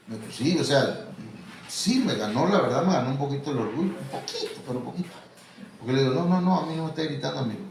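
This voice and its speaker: Man, Mexican Spanish accent, pastor, casual storytelling sermon, very echoey room, distant from the mic. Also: medium pitch. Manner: conversational, tells anecdotes, addresses listeners as hermano. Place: church hall. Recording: echoey hall from far off, faint noise.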